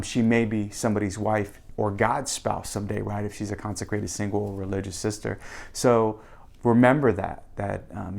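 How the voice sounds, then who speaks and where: Guy w a lowish creaky voice doing a casual advice podcast, confident n earnest, talks like hes coaching you. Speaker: podcast co-host giving advice. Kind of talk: casual faith-based advice monologue.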